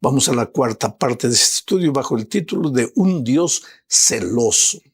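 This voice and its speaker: A man, a pastor, giving a sermon with slow, emphatic preaching and rising appeals. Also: medium pitch, expressive, slightly rough.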